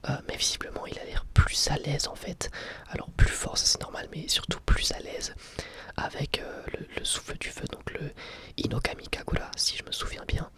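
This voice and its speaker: An ASMR creator whispering a casual review, speaking haltingly in short phrases. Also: mid-range voice, bright, forceful tone. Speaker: ASMR YouTuber reviewing anime.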